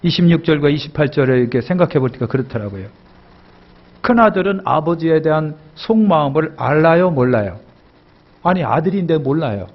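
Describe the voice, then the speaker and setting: A man's voice: on the high side, husky, muffled recording. A male pastor preaching a sermon emphatically, repeating key phrases and asking the congregation questions.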